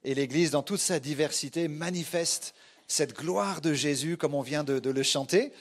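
A French man, a guest pastor who leads a church movement, delivers a sermon to his congregation. His voice is on the high side and moves at a moderate pace, and he speaks conversationally and hesitantly, often turning to address his listeners directly.

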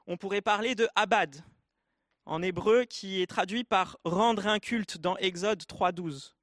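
A man's voice: sits high, measured pace, a bit bright, dry recording, clean studio sound. A man with an Arabic accent preaching a sermon, speaking earnestly and directly to the congregation.

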